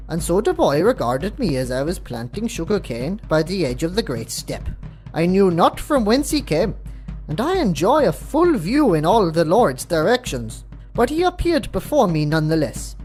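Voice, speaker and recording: Animated, reverent performer as a tribal scripture teller. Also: mid-range voice, lightly acted. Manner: reverent, archaic, declamatory. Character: reverent tribal scripture teller voicing a humble farmer witness. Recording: music under the voice.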